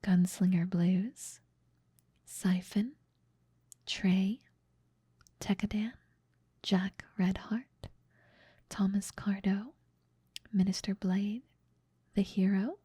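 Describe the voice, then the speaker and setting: A woman speaking in a breathy whisper as an ASMR host addressing her viewers. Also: mid-range voice, steady tone, drawn-out words, long pauses, warm tone, no room sound, studio quality. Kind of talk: whispered ASMR outro, thanking supporters.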